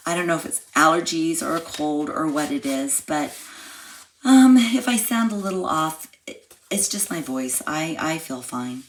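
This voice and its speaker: A woman with a slightly hoarse, froggy voice, chatting step by step through a live card-making class. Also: sits low, expressive, measured pace, slight background noise, low-quality recording. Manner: chatty step-by-step explaining while crafting. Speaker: craft class instructor. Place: home craft room.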